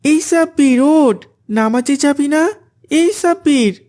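A woman's voice: high-pitched, normal speed, darkish tone, close to an everyday voice. A woman voicing a dutiful, devout young boy in a cartoon, polite and earnest.

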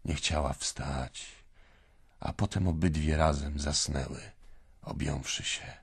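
A man performs a drunken, aging clerk, pouring out his shame in a low, dragging, wavering voice. He pleads and preaches by turns, pitiful and tearful. The audiobook recording is dry and close. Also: steady tone, slow, slightly rough, no echo, full character voice. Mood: rueful. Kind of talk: audiobook reading.

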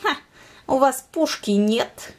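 A woman's voice: sits high, takes it slowly, voice pushed up. A woman voicing a sly, lazy female lynx who drawls smugly and mockingly.

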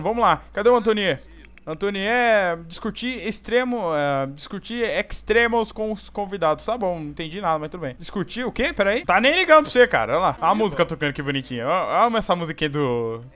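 Gamer brasileiro agitado e falante. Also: male voice, on the high side. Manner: excitable, scolding the characters, slangy. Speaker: gameplay host. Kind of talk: casual gameplay commentary.

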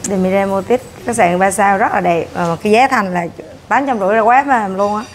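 Casting note: woman in her 30s, chatty buffet vlogger on a lapel mic, steady mid voice, dishes clinking clearly behind. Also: medium pitch, a little fast, slight background noise. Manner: chatty, narrating while serving herself food. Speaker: food vlogger. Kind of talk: casual walkthrough vlog. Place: hotel breakfast buffet room, indoors. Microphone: clip-on lapel mic.

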